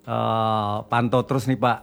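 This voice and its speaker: A man co-hosting a radio chat, chatty and playful, often backing his partner up with quick agreement. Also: medium pitch, level tone, creaky, clean tone, soft background music. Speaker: radio co-host. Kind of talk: casual on-air radio chat.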